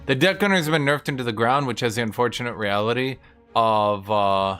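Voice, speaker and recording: A man's voice: mid-range voice, a little fast, fairly bright tone, soft background music. A man giving casual, blunt and sweary live commentary on a strategy game as he streams to chat.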